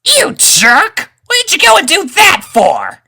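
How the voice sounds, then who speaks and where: A man's voice: very high voice, huge pitch swings, slow pace, gravelly, sharp tone, voice pushed up, heavily acted. A man voicing a touchy, defensive young colt pony in a storybook reading, with an indignant, boyish, slangy delivery.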